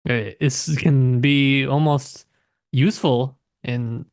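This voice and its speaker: A man's voice: mid-range voice, steady tone, takes it slowly, dry recording. Man thinking aloud, dry studio-like sound. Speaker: podcast co-host. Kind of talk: casual discussion of literature.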